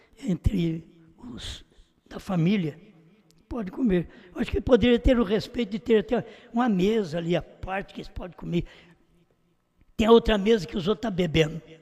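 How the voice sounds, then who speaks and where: Dark and mellow in tone, a man's high voice moves at a moderate pace with ordinary pitch variation, big swings in loudness and long, frequent pauses. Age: 70s. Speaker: pastor. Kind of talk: sermon. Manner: conversational.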